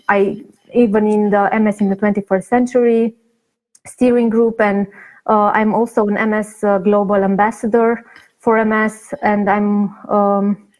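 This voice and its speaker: A woman from Romania, a guest answering in an interview over a video call, pausing often with fillers. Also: mid-range voice, a little mellow, rough recording. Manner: hesitant, many fillers and restarts. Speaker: guest, patient advocate.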